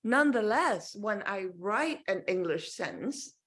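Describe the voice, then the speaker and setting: A woman's voice: mid-range voice, sing-song, measured pace, a bit bright. A middle-aged woman from Vietnam, a native Vietnamese speaker, answering interview questions as a guest author over a video call, thoughtful and full of restarts. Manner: thoughtful, with many restarts and fillers.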